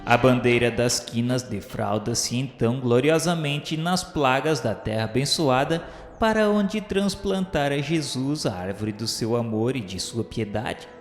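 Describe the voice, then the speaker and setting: A man narrates in a Brazilian accent with a mid-pitched voice, solemn and declamatory like a formal literary reading. His delivery is reverent and scripted. The sound is very echoey, with music playing behind him. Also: animated, measured pace. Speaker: narrator of a radio novela. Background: background music.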